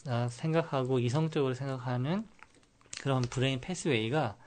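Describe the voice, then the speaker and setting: A middle-aged man, a pastor and family counselor, explaining calmly on a radio talk show with many fillers. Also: mid-range voice, normal speed. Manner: calm explaining, with many fillers and English loanwords.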